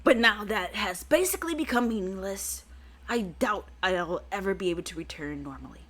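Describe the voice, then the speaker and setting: A woman reading aloud the lines of a snobbish upper-class crew member from a game, in her own bright voice. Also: mid-range voice, animated, normal speed, voice pushed down. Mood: smug.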